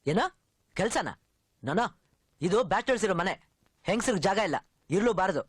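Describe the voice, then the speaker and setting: A man's voice: high-pitched, expressive, fairly quick, breathy edge, dry recording. An actor playing a brusque bachelor man who scolds and turns people away from his house, in film dialogue. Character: gruff bachelor man guarding his home.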